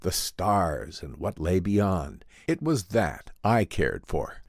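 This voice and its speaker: A man reading a vintage science fiction story as a dramatic narrator, theatrical and measured. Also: deep voice, very animated, creaky, dry recording, clean studio sound. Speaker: audiobook narrator.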